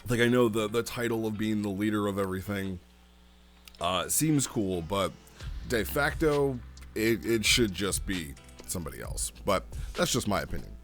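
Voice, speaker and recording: A man's voice: fairly low pitch, lively intonation, normal speed, a bit bright, faint music behind. A man hosting a review in a casual, conversational and opinionated commentary style. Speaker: host reviewing roleplay logs. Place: home recording studio.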